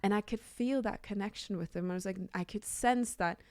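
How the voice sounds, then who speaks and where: A woman's voice: medium pitch, a little fast, darkish tone, no echo. A woman from Denmark talking earnestly and reflectively as an interview guest, repeating phrases for emphasis and checking in with the listener. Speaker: radio guest, leadership and personal development coach. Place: radio studio.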